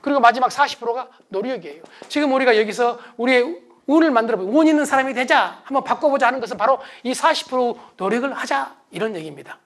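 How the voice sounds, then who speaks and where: A man's voice: extremely high pitch, fast talker, hardly any pauses. A middle-aged man giving a motivational lecture to an audience, acting out quarrels in a raised voice. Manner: animated, acts out quarrels in raised voice.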